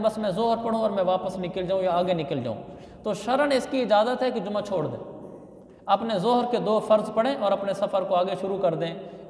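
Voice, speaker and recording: A Pakistani mufti with a high-pitched, slightly mellow voice gives a religious lesson on Islamic law, explaining it step by step and repeating key phrases. The recording was made in an echoey hall with long reverb.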